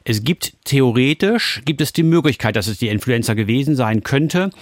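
A man's voice: mid-range voice, lively intonation, normal speed, no echo, clean studio sound. A man speaking as a doctor, giving reassuring medical advice in simple, explanatory terms. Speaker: doctor answering callers.

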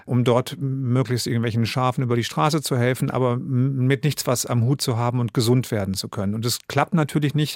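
A man's voice: medium pitch, darkish tone, no room sound, clean studio sound. A man in his fifties from Germany, an author answering interview questions thoughtfully, with many fillers and restarts. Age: 50s.

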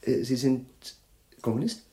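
A man's voice: medium pitch, expressive, a little slow, mellow, close to an everyday voice. A man playing a fumbling, absent-minded old professor. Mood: probing. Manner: hesitant, fumbling for words. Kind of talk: radio play acting.

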